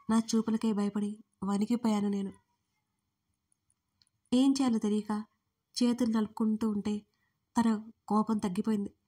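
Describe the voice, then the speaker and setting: A woman's voice: mid-range voice, darkish tone, slightly rough. A woman narrating a first-person audio story in an intimate, emotional way.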